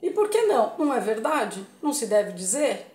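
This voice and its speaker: Woman reading an innocent young lady, plain and unbothered; high voice, echoey room. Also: big pitch swings, moderate pace, a little mellow. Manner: guileless, matter-of-fact reading. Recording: roomy echo.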